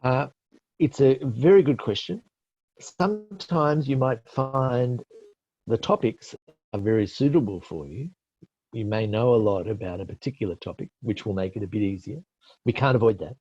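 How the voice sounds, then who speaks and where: Aussie guy explaining exam tips over a dull lo-fi webinar line, relaxed mellow voice, lots of ums. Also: mid-range voice, dry recording. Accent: Australian. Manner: explains slowly and patiently, with fillers and self-corrections. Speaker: IELTS expert presenter. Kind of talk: webinar teaching with answers to questions. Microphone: webinar call mic.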